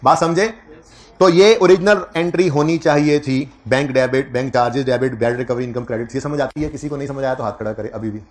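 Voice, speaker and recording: A man's voice: medium pitch, fairly even intonation, brisk. A man giving a classroom accounting lecture, conversational, teasing his students and repeating key points.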